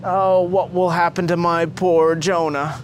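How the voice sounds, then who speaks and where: A man's voice: sits high, level tone, unhurried, slight background noise, pitched above the performer's own voice. A man voicing a fierce, anguished mother of a young man, accusing and lamenting, in a story reading. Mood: agitated, lamenting.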